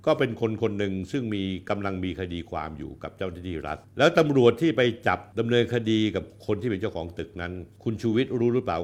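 A combative older man in his sixties speaks straight at his rival like a commentator delivering an on-camera challenge. He talks fast and blunt, with coarse accusations and sharp rhetorical jabs. His pitch sits in an ordinary middle range. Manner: addresses a rival directly and challenges him. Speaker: political commentator. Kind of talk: confrontational on-camera address.

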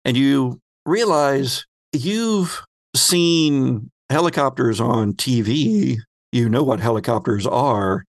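A man runs a tabletop game as game master, setting scenes in careful, descriptive detail. His mid-pitched voice pauses as he searches for words, and the sound is close and dry. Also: no echo. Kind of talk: improvised tabletop game narration.

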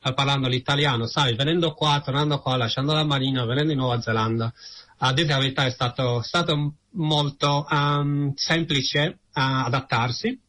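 An Italian man telling personal stories in an interview, hesitant and halting, often repeating words. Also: medium pitch, steady tone, fairly bright tone. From Italy. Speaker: interview guest. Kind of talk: personal storytelling in conversation.

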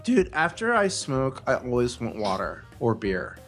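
A man's voice: medium pitch, huge pitch swings, unhurried, fairly bright tone, soft background music. A man co-hosting a podcast in casual comic chat, bantering and arguing in mock protest. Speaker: podcast co-host.

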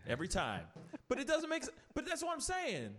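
A man's voice: very high-pitched, huge pitch swings, fairly quick, a bit bright. A man hosting a casual podcast chat, ranting animatedly with rhetorical questions and many restarts. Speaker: podcast host.

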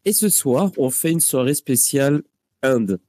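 A man's voice: mid-range voice, expressive, a little slow, mellow, no room sound. A man hosting a live radio talk show, his sinuses blocked, talking in a hesitant way with many fillers and restarts. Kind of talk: casual live radio chat.

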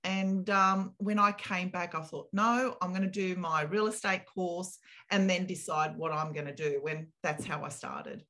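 A woman in her late fifties speaks as a podcast guest. She talks in an earnest, reflective, unhurried way. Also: lowish voice, fairly even intonation, pushed and bright. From Australia. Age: 50s. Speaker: property consultant. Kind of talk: interview guest.

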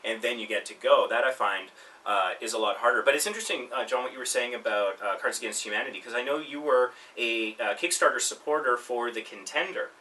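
Podcast host, male, bright voice, recorded on a poor backup mic from a distance with faint hiss. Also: quick pace. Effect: low-quality backup mic recording. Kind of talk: casual podcast chat.

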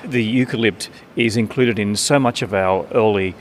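A man's voice: on the low side, normal speed, a little hiss or hum. Male radio presenter, conversational. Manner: smooth, conversational presenter delivery. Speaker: radio interviewer. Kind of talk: radio interview.

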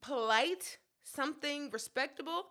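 A woman with co-hosts a casual talk show, blunt, profane and animated. Her voice sits high and has a sharp, bright edge. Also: a little slow. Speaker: podcast co-host. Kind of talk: casual chat.

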